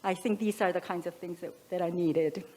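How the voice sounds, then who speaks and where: Woman, academic, panel talk, reflective, measured. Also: lowish voice, steady tone, a little mellow.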